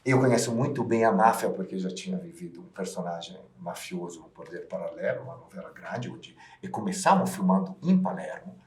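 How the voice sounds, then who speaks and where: A man with a low-pitched voice, chatting in an interview. He tells stories in an emphatic, lively way. The recording carries a roomy echo. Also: brisk, few pauses. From half Italian, half Brazilian. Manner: animated, emphatic storytelling. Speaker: actor interviewee. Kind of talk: casual interview chat.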